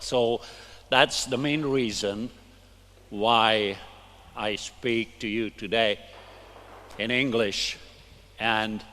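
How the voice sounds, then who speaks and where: Older Hungarian-accented male lecturer, bright tone, measured and halting delivery, hall reverb. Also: on the low side. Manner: halting, deliberate, with many restarts. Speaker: conference speaker. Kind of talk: academic lecture. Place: conference hall.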